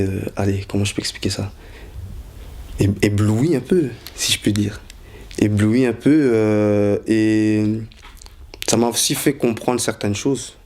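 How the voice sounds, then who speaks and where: Young man, lowish voice, halting unscripted testimony. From Congo, raised in Brussels. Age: 20s. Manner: hesitant, many fillers and restarts. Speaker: interviewee.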